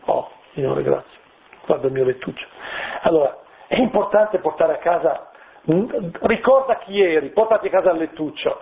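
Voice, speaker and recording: A middle-aged priest delivers a sermon in a loose, conversational way, often turning to his listeners with questions. His voice sits high for a man. The sound is dull and lo-fi, as if from an old radio broadcast. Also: a little mellow. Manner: conversational preaching with acted-out voices and rhetorical questions.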